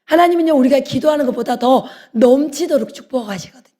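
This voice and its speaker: A middle-aged woman, a pastor's wife, preaching a sermon in an earnest, exhorting way with slow, emphatic pauses. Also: sits high, warm tone.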